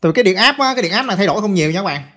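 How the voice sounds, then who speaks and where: A man's voice: sits high, lively intonation, very fast, fairly bright tone. A man giving a casual hands-on electronics repair tutorial, chatty and repeating phrases as he talks to viewers.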